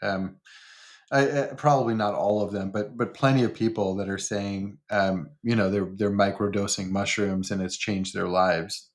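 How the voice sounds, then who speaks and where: Man, low voice, podcast co-host, hesitant, casual chat. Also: steady tone, moderate pace. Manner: hesitant, many fillers and restarts. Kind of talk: casual conversation.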